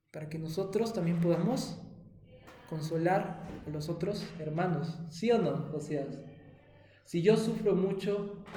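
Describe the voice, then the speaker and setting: A man's voice: high voice, dark tone, echoey room, slight background noise. A man with a Peruvian Spanish accent teaching a Sunday school Bible lesson to children, often asking them questions. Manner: asks the children frequent questions.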